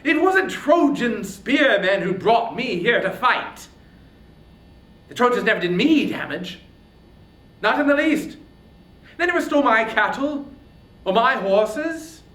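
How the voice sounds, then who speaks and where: Scornful, hot-blooded epic warrior acted by a man; indignant, emphatic, very animated pitch, echoey room. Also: unhurried, long pauses, full character voice. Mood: indignant fury. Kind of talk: dramatic reading of epic poetry.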